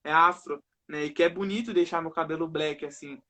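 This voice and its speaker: A man's voice: a little high, fairly even intonation, brisk, a bit bright. A young man with a Brazilian Northeastern accent, speaking as a guest on a live video call and ending nearly every phrase with a questioning tag. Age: young adult. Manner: tags almost every phrase with "né?". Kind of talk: personal testimony in a live interview.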